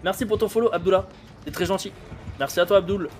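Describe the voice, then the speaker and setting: A man's voice: sits high, fast talker, soft background music. A man in his thirties thinking aloud in blunt, informal live gameplay commentary as a streamer. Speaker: game streamer. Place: indoor streaming setup.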